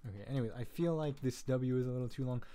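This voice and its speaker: Male streamer, smooth clear voice, mid pitch, easygoing technical walkthrough, frequent self-corrections and filler words. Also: rapid-fire, mellow. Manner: rambling, self-correcting, lots of "um" and "like"; laid-back, jokey asides. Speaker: live-stream host teaching vocal synth tuning.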